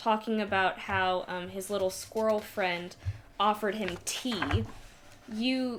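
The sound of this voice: The voice reads without any strain. It stays unforced.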